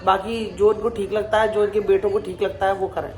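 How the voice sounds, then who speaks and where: A young woman talks straight to her camera in a casual home vlog. She sounds worried and speaks in short, quick bursts. The room is echoey, and a faint noise sits in the background. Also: mid-range voice, level tone, a little mellow. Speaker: vlogger.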